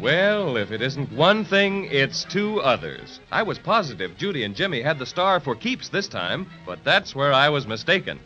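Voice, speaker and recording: A man's voice: medium pitch, sing-song, moderate pace, few pauses, sharp tone. A man narrating the close of a serial episode in a folksy, wry storyteller manner. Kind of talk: scripted serial wrap-up narration. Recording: dull lo-fi 1930s transcription with music.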